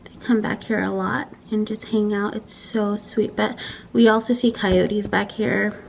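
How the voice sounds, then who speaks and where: In a casual, chatty vlog to camera, a woman keeps dropping "like" into her talk. Her medium-pitched voice is flat and a little slow. The recording is rough, with clear background noise.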